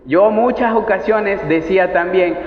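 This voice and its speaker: Male preacher, conversational, higher voice, tinny echoey hall sound. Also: unhurried. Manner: conversational, asks the congregation questions. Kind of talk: sermon.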